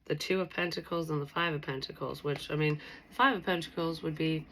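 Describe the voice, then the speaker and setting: A woman's voice: low voice, steady tone, brisk, bright, forceful tone, a little hiss or hum, rough recording. A woman giving a casual tarot reading to her viewers, sounding stuffy and nasal from allergies, rambling with lots of fillers. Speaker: tarot reader.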